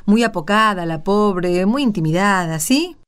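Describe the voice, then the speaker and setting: A woman's voice: medium pitch, expressive, measured pace, clear, resonant tone. A woman with an Argentine accent, hosting and narrating a scripted radio theatre piece. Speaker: radio play host and narrator.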